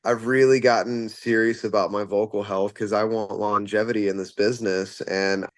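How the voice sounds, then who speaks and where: A man's voice: lowish voice, fairly even intonation, moderate pace, no room sound. A man who fronts a rock band, answering interview questions casually and rambling with plenty of fillers and restarts.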